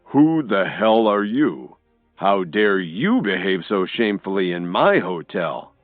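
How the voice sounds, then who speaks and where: A man voicing a fierce, indignant businessman in an audiobook, shouting angrily. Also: sits low, big pitch swings, takes it slowly, dry recording, faint music behind, heavily acted. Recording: dry, tinny phone-like sound from off-mic.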